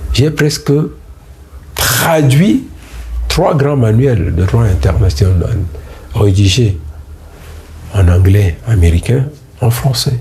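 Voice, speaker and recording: Over noticeable background noise and audible room echo, a man with a fairly low pitch talks at a very slow pace with long, frequent pauses, very even loudness and very wide pitch swings. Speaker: professor of international law. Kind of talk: interview.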